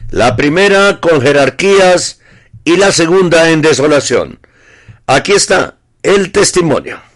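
A man presenting news, reading a scripted report at a measured, deliberate pace. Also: on the high side, very animated.

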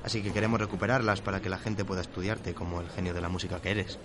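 A man's voice: deep voice, little pitch movement, quick pace, crowd noise, natural voice. A young man playing a cheeky, impatient music student in an audio drama, brash and teasing. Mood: eager. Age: young adult.

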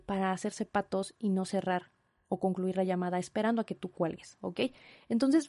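A young Mexican woman with a Mexican accent telling an indignant, animated story with asides in a storytime vlog. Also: mid-range voice, dry recording, studio quality. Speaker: vlogger.

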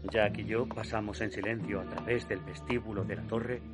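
Slightly low-voiced, hushed storytelling from a haunted man in his thirties, as an actor plays him, recalling a nightmare in a radio drama. His measured delivery sinks almost to a whisper on the grim details. Clear music plays behind him throughout. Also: steady tone, lightly acted. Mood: uneasy. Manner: measured, hushed storytelling that drops to a near whisper at dark moments. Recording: narration over music.

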